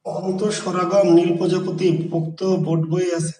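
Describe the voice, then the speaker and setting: A man's voice: high voice, flat delivery, normal speed, dark tone, far from the mic. A male teacher giving an exam-prep grammar lecture, explaining patiently and asking his own questions, then answering them. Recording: echoey room, voice from afar.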